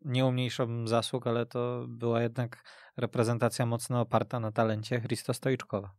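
A man's voice: mid-range voice, completely flat delivery, normal speed, darkish tone, dry recording. A man hosting a radio sports podcast, steering the talk and prompting his guests with questions. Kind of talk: casual sports discussion. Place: radio studio.

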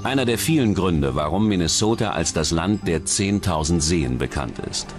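A man narrates a true-crime documentary from a script. His voice is low and moves expressively up and down, with music clearly playing behind it. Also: animated, moderate pace. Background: background music.

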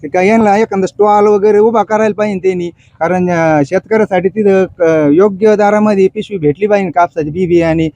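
A man being interviewed on the street, speaking in an animated way with hesitant fillers. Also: high-pitched, a little fast, hardly any pauses, dry recording, muffled recording. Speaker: villager interviewed.

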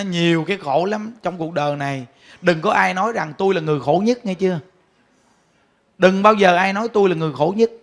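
A man, a Buddhist monk giving a sermon, telling stories with frequent laughter and speaking straight to his listeners. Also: high voice. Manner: animated storytelling, laughs often, addresses the audience directly.

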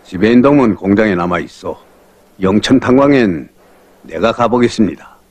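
An actor playing a fatherly North Korean party secretary in his sixties, a calm old veteran with a husky voice. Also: on the low side, normal speed. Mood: grave. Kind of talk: film drama acting.

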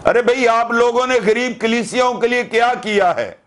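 An older man preaching a sermon to camera, earnest and deliberate, asking rhetorical questions. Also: very high-pitched, fairly bright tone, slight background noise. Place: indoor studio with curtain backdrop.

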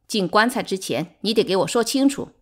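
A woman voicing a spiteful, domineering concubine in an audiobook, scornful and forceful in her delivery. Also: medium pitch, sing-song, normal speed, husky. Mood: furious. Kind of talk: dramatic audiobook character acting.

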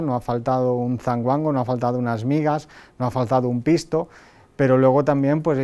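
A man's voice: medium pitch, dark tone. A chef in his thirties speaking earnestly in an interview, often repeating words, on a lapel mic. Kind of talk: interview talk.

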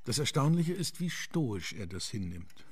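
An actor playing a genial, concerned gentleman lawyer with a formal, measured manner in a German radio drama. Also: medium pitch, big pitch swings, slightly rough. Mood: earnest concern.

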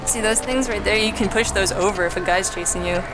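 A woman hosts a let's play in a casual, playful way, swearing freely. Her voice is mid-pitched, with game music clearly audible behind it. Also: brisk, poor audio. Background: game music and sounds.

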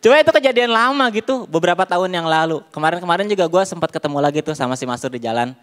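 A man's voice: on the high side, expressive, very fast, fairly bright tone. A young man telling stories as a stand-up comedian on stage with a handheld microphone. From Bogor, Indonesia. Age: young adult. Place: large theatre stage before an audience.

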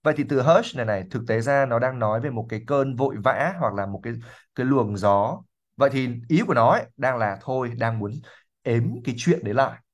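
Explaining English words on a live reading stream, the male English teacher repeats them at a slow pace and fills his thinking-aloud with hesitation sounds. He speaks at a medium pitch.

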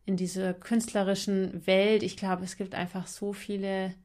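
A woman's voice: mid-range voice, flat delivery, normal speed, darkish tone. A woman talking casually and enthusiastically as a musician guest in a podcast interview, in informal language.

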